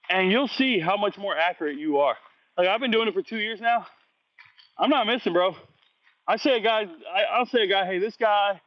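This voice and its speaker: After working out, a man who runs a high school football recruiting vlog fires back at viewer comments with casual, blunt, slang-heavy trash talk. His voice is a little high, the recording dry, with the highs cut off.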